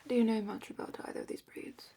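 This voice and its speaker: A woman playing a calm, thoughtful dragon curator in a whispered ASMR fantasy roleplay, speaking softly and breathily with measured, musing pauses. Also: lightly acted. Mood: gentle, advising.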